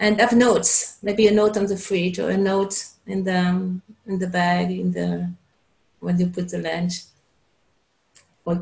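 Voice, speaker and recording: Audible room echo surrounds the voice. A woman talks at a moderate pace, sounding somewhat breathy. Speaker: teacher. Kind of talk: lecture. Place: home room. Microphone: webcam.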